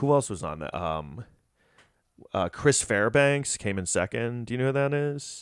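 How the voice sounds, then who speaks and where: Against a quiet background, a man with a New York accent speaks at a moderate pace and medium pitch, his voice making very wide pitch swings. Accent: Manhattan, sounds snobby. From Manhattan, New York City. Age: 40s. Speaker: stand-up comedian. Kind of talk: casual chat.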